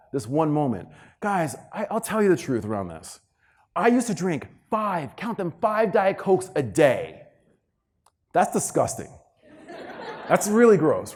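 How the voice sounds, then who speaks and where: Male keynote speaker, motivational storyteller, highly animated pitch, emphatic delivery, slips into acted-out dialogue. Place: live talk before an audience.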